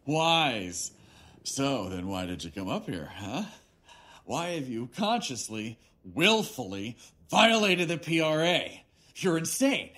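An actor in an audio drama playing an arrogant, resentful lawyer son with a contemptuous, biting manner. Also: male voice, mid-range voice, big pitch swings, slow pace, a bit bright. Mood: scornful.

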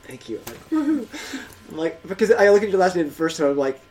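A man's voice: sits high, sing-song, a little fast, a little mellow, a little hiss or hum. Rambling, chatty male podcast host. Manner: rambling, filler-heavy, chatty. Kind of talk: casual podcast introduction and interview.

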